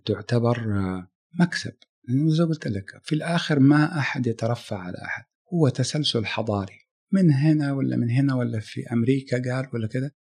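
Husky, fast-talking middle-aged man. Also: mid-range voice, a little mellow. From Saudi Arabia. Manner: reflective, halting with restarts and trailing phrases. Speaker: musician guest. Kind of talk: casual interview talk.

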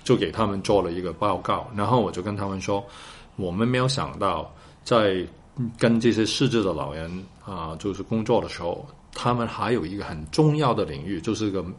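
A man with a fairly low voice speaks Mandarin with a non-native accent. He talks in a reflective, conversational way, often pausing to search for a word and repeating himself as he goes. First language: not Mandarin; says their Mandarin is poor. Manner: halting, searching for words, repeats phrases. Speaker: academic guest, researcher and teacher.

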